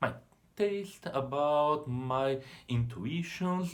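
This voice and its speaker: Here is a man with a Portuguese accent. His pitch is fairly high. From Brazil. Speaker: literature teacher, YouTuber. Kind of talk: educational video monologue.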